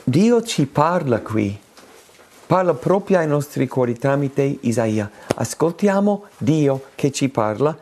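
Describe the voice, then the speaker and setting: A man preaching a sermon, reading scripture aloud and explaining it slowly and deliberately, with his pitch rising on emphatic phrases. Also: very animated, darkish tone, slight background noise.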